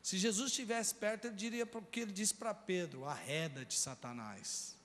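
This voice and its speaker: Man, Brazilian Portuguese accent, pastor, earnest storytelling sermon, fairly high voice. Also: fairly even intonation, brisk, fairly bright tone, big-room sound, a little hiss or hum. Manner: earnest personal storytelling, addressing the congregation directly.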